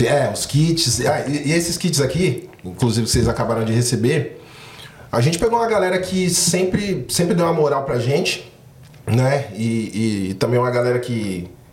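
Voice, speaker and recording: At a moderate pace, a man with a fairly high pitch makes very wide pitch swings, with audible echo from the room. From São Paulo city, Brazil. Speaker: pagode musician. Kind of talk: casual chat.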